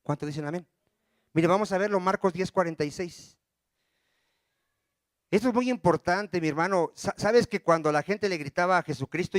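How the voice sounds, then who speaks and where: A male pastor with a high voice preaches a sermon, recorded dry and close. He reads scripture aloud, breaks off mid-verse and keeps firing questions at the congregation so they fill in the words. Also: a bit bright, no echo. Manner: quizzes the congregation with rapid questions.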